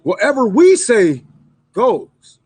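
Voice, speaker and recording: A man's voice: high-pitched, wildly swooping pitch, slow pace, a little mellow, breathy edge, no echo. A man on a livestream, ranting heatedly and with profanity, repeating lines for emphasis. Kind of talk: livestream rant. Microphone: microphone.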